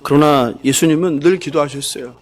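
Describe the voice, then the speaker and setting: A man's voice: fairly high pitch, fairly quick. A male pastor preaching a sermon, keeps asking the congregation questions as he goes. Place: church sanctuary.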